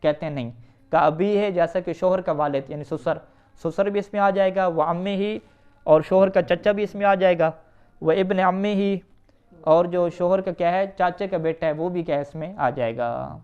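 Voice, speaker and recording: A man teaching Arabic grammar to students, asking them questions and answering them himself, reading Arabic quickly and then explaining it. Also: high voice, a little mellow, clear, resonant tone. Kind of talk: classroom lesson reading and explaining an Arabic text. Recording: dull, lo-fi recording.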